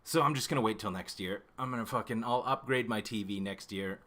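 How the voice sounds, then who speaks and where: Bright-voiced profane fifty-year-old Canadian streamer. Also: male voice, on the low side, a little fast. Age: 50s. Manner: swears constantly, rambling and self-interrupting. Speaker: livestream host. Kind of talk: casual chat with viewers.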